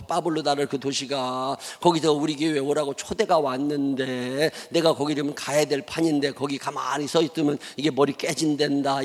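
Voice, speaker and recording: A man's voice: fairly high pitch, big-room sound. A middle-aged man with a Chungcheong accent preaching a sermon as a pastor, telling stories in a blunt, humorous, folksy way. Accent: Chungcheong Korean. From Chungcheong, South Korea. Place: church sanctuary.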